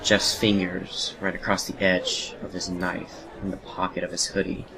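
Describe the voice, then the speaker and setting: A man narrating a horror story in a solemn, measured, dramatic scripted style. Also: low voice, level tone, crowd noise. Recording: home recording with background noise and ambience.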